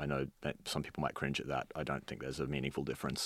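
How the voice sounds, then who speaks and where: An Australian-accented man speaks at a very fast pace with vocal fry and a bright, sharp tone, in a dry, close recording with no echo that is very clean against a silent background. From Australia (Brisbane). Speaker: music producer and guitarist. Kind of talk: casual interview chat. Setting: studio.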